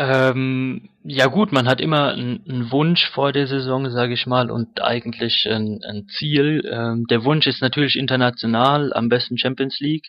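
The man has an ordinary speaking voice at a medium pitch with ordinary pitch variation. He goes at a fairly slow pace with hardly any pauses. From southern Hesse, Germany (near Darmstadt). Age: 20s. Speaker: football fan club member. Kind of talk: casual interview.

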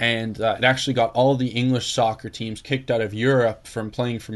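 This is an unremarkable speaking voice from a man at a medium pitch. He talks at a fairly quick pace with fairly even intonation. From Canada, with early childhood in England and Belgium. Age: young. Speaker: podcaster. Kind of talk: casual chat.

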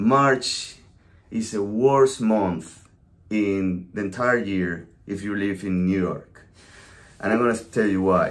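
Speaking at a very slow pace, a man with a Venezuelan accent talks in a fairly low pitch with fairly even intonation, and audible room echo surrounds him. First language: Spanish. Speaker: realtor and podcast co-host. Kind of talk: casual chat.

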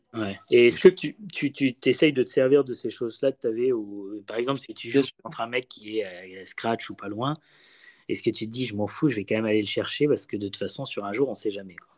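A plain, everyday voice moves at a fairly quick pace, its loudness rising and falling sharply and its pitch varying in an ordinary way. The recording is very clean, dry and close, with no echo and a silent background. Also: man, medium pitch for a man. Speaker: podcast host. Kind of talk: interview.

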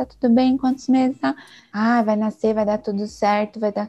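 This woman keeps a moderate speed while music plays behind her. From Brazil, ABC region of São Paulo. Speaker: psychologist and author. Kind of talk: interview about parenting. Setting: podcast.

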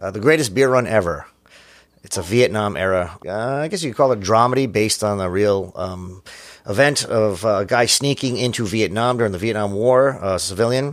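This man has a plain, everyday voice with an American accent and a fairly low pitch. He speaks at a fairly quick pace, with ordinary pitch variation. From US Northeast, Rhode Island. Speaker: comedic actor. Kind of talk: casual chat.

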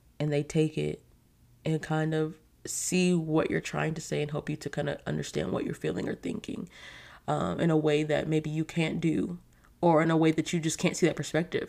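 With vocal fry and a very deep, low pitch, a woman talks at a moderate pace in a relaxed tone with fairly even intonation. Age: 20s. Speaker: solo podcast host. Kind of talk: casual solo monologue, audio-journal style. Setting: home recording. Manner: relaxed, with frequent fillers and laughs.

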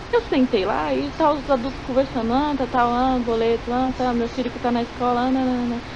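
Over noticeable background noise, a woman speaks at a high pitch. Her pace is fairly quick with hardly any pauses. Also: ordinary pitch variation. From Brazil, São Paulo city. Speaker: horror fiction writer and RPG player. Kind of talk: casual chat.

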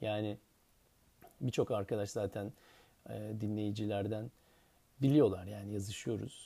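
On a very clean recording with a silent background, a man speaks at a fairly slow pace in a dark, mellow tone that is somewhat breathy. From Turkey, Ankara. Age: 40s. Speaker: podcast host. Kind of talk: solo podcast monologue. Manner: hesitant, many filler sounds.

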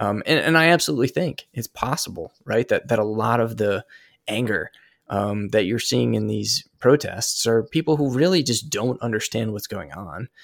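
With an American accent, a man talks at a moderate pace in a medium pitch, his lively intonation carrying some vocal fry. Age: 20s. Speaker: podcast guest, commentator. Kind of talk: casual chat.

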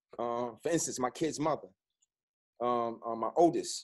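A man with an American accent speaks at medium pitch and a moderate pace, his intonation fairly even. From New York. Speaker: peace advocate and author. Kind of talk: interview.

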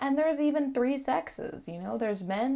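Her tone is dark and mellow, with very wide pitch swings. The woman speaks with an American accent at a moderate pace. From Houston, Texas. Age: 20s. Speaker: podcast host, college student. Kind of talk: solo monologue podcast. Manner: casual, conversational.

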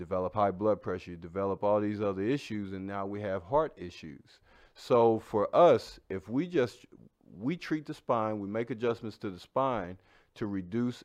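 Spoken in a plain, everyday voice with an American accent, the words come at a moderate pace over a quiet background. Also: man. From US, small town. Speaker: chiropractor; war veteran. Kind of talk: casual interview.

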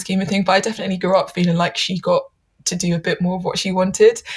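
Somewhat breathy, a voice with a London accent speaks at a very fast pace. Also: woman. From South London (born in Ghana, moved at three). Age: 20s. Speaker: podcast commissioner. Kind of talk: casual chat.

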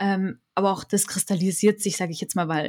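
A woman speaks at a moderate pace and medium pitch in a normal speaking voice, with fairly even intonation. The recording is very clean, with a silent background. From Freiburg, southwestern Germany. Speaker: recent school graduate. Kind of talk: interview.

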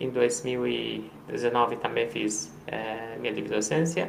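A man talks with a Persian accent at a medium pitch and ordinary pitch variation. Audible room echo surrounds him. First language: Persian (speaking Portuguese). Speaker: mathematics professor. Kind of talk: interview. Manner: hesitant, frequent fillers.

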